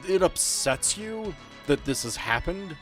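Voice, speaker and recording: A man's voice: a little high, very animated, measured pace, soft background music. A man working as game master, narrating a tabletop game off the cuff and talking players through the action in a casual way.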